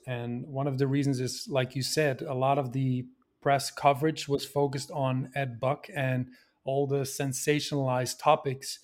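A man from Belgium answers questions about his film in a mid-range voice. He talks earnestly and thoughtfully, often pausing with fillers and restarting his sentences. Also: mid-range voice, darkish tone. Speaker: filmmaker. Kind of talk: interview answers.

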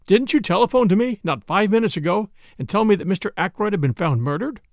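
Storybook doctor, acted by a male narrator: urgent, commanding, uneasy, highly inflected, dry sound. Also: animated, fast talker, no room sound. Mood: sharp, demanding. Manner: commanding, sharp, insistent. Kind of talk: audiobook character dialogue.

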